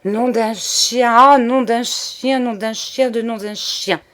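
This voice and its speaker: A woman's voice: fairly high pitch, steady tone, slow pace. A woman doing a frantic bourgeois husband. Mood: moaning. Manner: obstinate, repetitive shouting.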